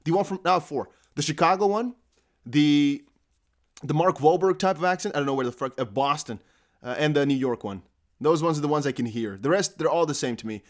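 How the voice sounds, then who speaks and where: Rambling young man from the Netherlands. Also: fairly high pitch. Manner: rambling, laughs often, many fillers. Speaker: crypto livestream host. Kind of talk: casual live stream chat.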